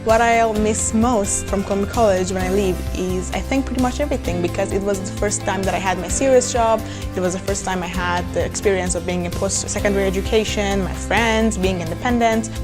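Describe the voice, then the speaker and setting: A woman's voice: mid-range voice, fairly quick. A woman from Iran, an international student, speaking reflectively and heartfelt in a testimonial. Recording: music bed behind voice.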